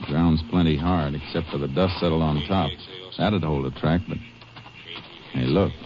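An actor playing a calm, observant, methodical Texas Ranger in an old-time western radio drama. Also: male voice, very deep voice, normal speed. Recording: dull 1950s radio recording, faint noise.

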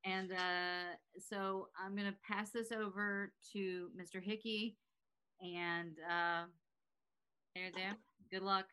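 Bright-voiced American woman with faint Southern traces. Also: medium pitch, steady tone, slow pace, clear, resonant tone. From South Carolina, US. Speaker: podcast host. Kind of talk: casual chat.

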